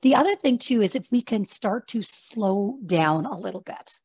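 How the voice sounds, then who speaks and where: Fast-talking woman coaching over video call. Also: medium pitch, husky, no room sound, dull audio. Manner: fast-talking, animated, acts out examples. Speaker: executive coach. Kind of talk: online workshop talk.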